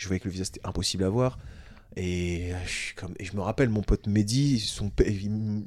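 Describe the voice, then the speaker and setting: A man speaks at a moderate pace in a fairly low pitch with ordinary pitch variation. The recording is very clean and the background silent. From France, grew up in a housing estate. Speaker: adventurer, traveller. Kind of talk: casual chat.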